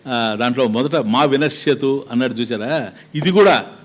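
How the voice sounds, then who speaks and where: A man's voice: mid-range voice, moderate pace. A man with a Telugu accent giving a spiritual discourse as a swami, talking conversationally with many rhetorical questions and acted-out little exchanges.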